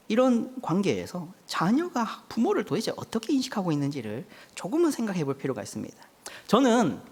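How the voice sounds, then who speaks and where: Casting: male preacher, wildly swinging pitch, rhetorical questioning sermon style. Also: breathy edge, big-room sound. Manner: rhetorical questions, acts out a child crying for mom.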